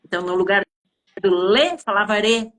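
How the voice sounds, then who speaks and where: A woman's voice: mid-range voice, expressive, normal speed, fairly bright tone. A woman from southern Brazil with a southern accent explains speech errors in a casual chat, giving many examples with frequent hesitations. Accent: southern Brazilian Portuguese. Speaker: communication teacher. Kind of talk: casual two-person chat.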